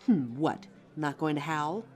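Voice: mid-range voice, animated, measured pace, darkish tone, soft background music, close to an everyday voice. A performer playing a sassy, easily needled female werewolf customer in an audio roleplay, blunt and sardonic.

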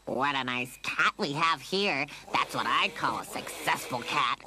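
Woman acting a male cat catcher, deep, smug, mocking, storybook villain, animated delivery. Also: a little hiss or hum, exaggerated voice. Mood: mocking, gloating. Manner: mocking, drawn-out.

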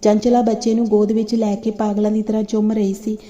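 A woman reading a moral story for children aloud in a steady, even delivery. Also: medium pitch, fast talker. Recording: dull lo-fi recording.

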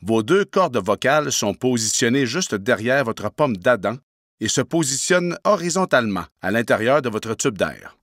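A man's voice: medium pitch, big pitch swings, moderate pace, fairly bright tone. A middle-aged man working as a voice actor, reading scripted narration.

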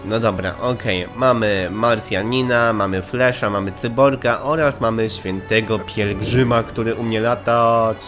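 A man hosting a let's play, chatty and easygoing, his voice stuffy and slightly hoarse from a cold. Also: lowish voice, steady tone, a little slow, hardly any pauses. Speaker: gaming channel host. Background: game music.

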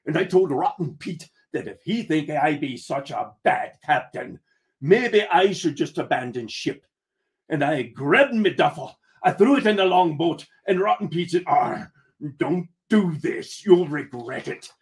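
A man telling a comic first-person pirate tale in a deliberate, theatrical manner. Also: fairly high pitch, animated. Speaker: storyteller.

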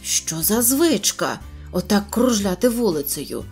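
A woman's voice: mid-range voice, very animated, measured pace, a little mellow, faint music behind. A fussy male stationmaster grumbles and lectures about careless children, as a woman reads him. His complaining sounds a little raised and indignant, a storybook grump. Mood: grumbling.

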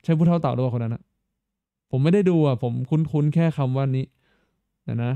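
Speaking fast and clearly, this man has a mid-range, resonant voice captured in a dry recording with narrow, tinny audio. He's hosting an easygoing stream while playing, talking to viewers directly, asking them things, thinking aloud, stammering and repeating words.

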